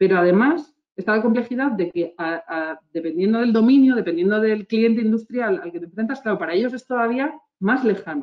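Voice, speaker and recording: Against a quiet background, a woman with a plain, everyday voice speaks at a fairly quick pace, with fairly high pitch and lively intonation. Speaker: industrial research manager. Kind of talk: technical presentation; webinar presentation. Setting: video call. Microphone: video call.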